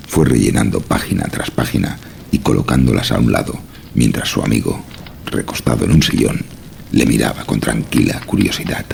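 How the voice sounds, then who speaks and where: Extremely deep, gravelly male narrator. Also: a little hiss or hum. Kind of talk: scripted horror story narration.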